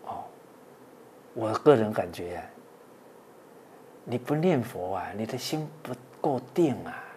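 A man, a Buddhist monk, giving a dharma talk with many drawn-out "ah" and "oh" fillers, earnest and exhorting. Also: fairly low pitch, animated, dark tone, a little hiss or hum.

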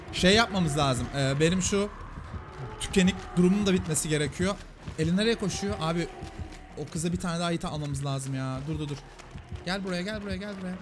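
A man streaming a multiplayer game, commenting rapidly and repeating short urgings to his teammates. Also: on the high side. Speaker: gaming streamer. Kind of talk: excited Let's Play commentary. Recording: noisy game audio underneath.

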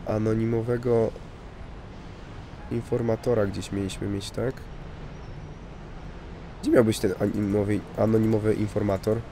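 A man's voice: on the low side, steady tone, moderate pace, long pauses, dark tone, a little hiss or hum. A man casually commenting on a video game, muttering to himself as he plays. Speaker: gamer. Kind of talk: let's play commentary.

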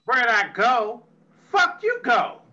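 A woman's voice: on the high side, sing-song, takes it slowly, bright, forceful tone, full character voice. A woman playing a brash, foul-mouthed, drunk female tech expert in an audio drama, swaggering and menacing, recorded on dull lo-fi audio. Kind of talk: amateur audio drama reading.

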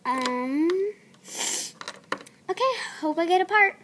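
A woman's voice: sits high, expressive, a bit bright. A young woman with a runny nose, chatting casually and hesitantly in a homemade audition video. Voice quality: stuffy, runny-nosed. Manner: halting, hesitant. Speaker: amateur voice actor auditioning on video. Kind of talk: casual vlog chat. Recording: noisy home camera recording.

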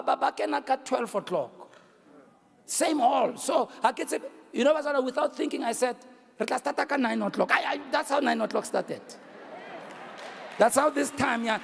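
Bishop type, South African man, high strained gravelly shouting sermon, long hall echo. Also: slight background noise. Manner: shouting, storytelling, repeats phrases for emphasis. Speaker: bishop and pastor.

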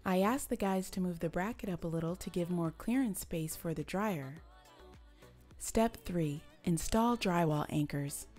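Lower-voiced woman narrating a DIY video. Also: measured pace, a little mellow, faint music behind. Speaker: DIY channel co-host. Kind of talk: scripted how-to voice-over.

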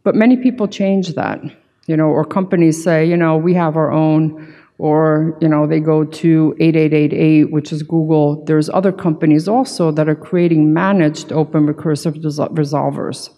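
A woman's voice: low-pitched, fairly even intonation, moderate pace, dark tone. A middle-aged woman giving a conference talk from a podium, explaining things in an emphatic, informal way with plenty of conversational check-ins. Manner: emphatic, informal, peppered with "right" and "you know". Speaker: conference keynote speaker, security consultant. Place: large conference hall stage at a podium. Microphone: podium gooseneck microphone. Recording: hall reverb from a PA.

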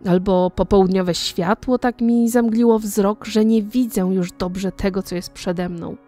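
A quick-tempered young painter, exasperated and snapping at his model, as a woman reads him in an audiobook. The delivery is slow and deliberate, at a middling pitch, with soft music faintly underneath. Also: steady tone, lightly acted. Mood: irritated. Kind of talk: audiobook reading.

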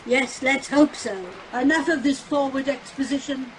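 A woman's voice: sits high, steady tone, moderate pace, lightly acted. A woman playing a polite, pompous prince in an audio pantomime, speaking with formal, grand courtesy. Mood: courteous. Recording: noisy home video-call recording.

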